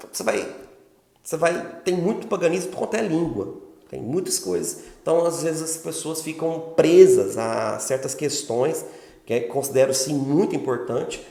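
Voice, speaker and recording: A man giving an informal religious teaching talk, speaking conversationally and often checking in with the listener. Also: medium pitch. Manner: conversational, frequent filler tags like "né" and "ok". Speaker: religious channel host. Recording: roomy echo.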